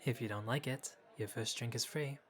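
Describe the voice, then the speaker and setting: A man's voice: medium pitch, moderate pace, a faint crowd, close to an everyday voice. A man playing a flirty, easygoing bartender who teases and chats with a patron in an audio roleplay. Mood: playful, inviting. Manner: playful, teasing, casual. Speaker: bartender character. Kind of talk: intimate audio roleplay, conversational acting.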